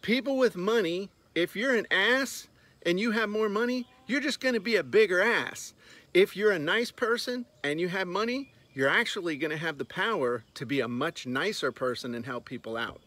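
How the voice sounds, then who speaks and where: A man's voice: high voice, expressive, normal speed, bright, forceful tone. Blunt, sarcastic man vlogging outdoors. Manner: blunt, sarcastic, jokey outbursts. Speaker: business coach. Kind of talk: casual talking-head vlog. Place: outdoors on a farmyard. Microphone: phone held at arm's length.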